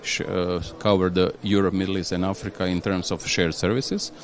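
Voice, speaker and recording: A man from Croatia, an industry executive answering interview questions in a halting way, often restarting phrases and tagging them with "yeah?". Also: deep voice, level tone. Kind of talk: conversational interview.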